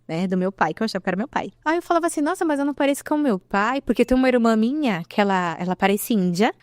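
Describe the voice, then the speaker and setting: A woman in her thirties giving an emotional personal testimony as a podcast guest, telling her story with animated delivery and acting out the dialogue she remembers. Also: medium pitch, dry recording, studio quality.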